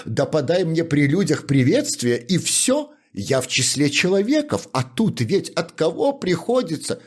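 A man's voice: sing-song, measured pace, slightly rough, exaggerated voice. A man voicing a wordy, self-pitying middle-aged shoemaker in an audiobook, speaking in a plaintive, strained tone. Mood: whining lament. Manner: whining, plaintive, high and strained. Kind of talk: audiobook character reading.

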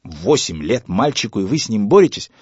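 A man's voice: on the low side, big pitch swings, brisk, darkish tone, husky, no echo, lo-fi sound. A man reading a story, voicing a mild, puzzled old father questioning his son.

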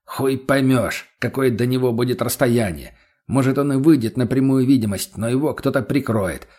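A man playing a cool, blunt gypsy mercenary in an audiobook, his husky voice dry and unhurried. He sounds unimpressed by everyone. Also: medium pitch, a little mellow, close to an everyday voice. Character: cool, sardonic male Lovari gypsy mercenary.

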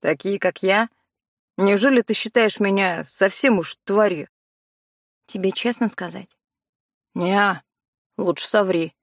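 A woman's voice: mid-range voice, slow, long pauses, dry recording, studio quality. Woman doing a cocky teasing schoolboy. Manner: teasing, self-assured.

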